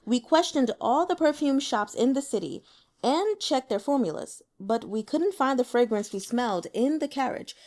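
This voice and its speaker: A woman's voice: high-pitched, animated, moderate pace, darkish tone, voice pushed up. A woman voicing an earnest young male subordinate in a storybook reading, speaking politely and eagerly. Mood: explaining.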